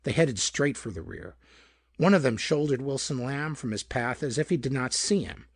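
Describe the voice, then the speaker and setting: A man narrates hardboiled crime fiction like an audiobook, his voice rough with fry and husk. His pitch swings expressively as he tells it dramatically. The sound is close and dry. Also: expressive, moderate pace, dry recording. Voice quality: gravelly, husky. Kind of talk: scripted narration of hardboiled pulp detective fiction.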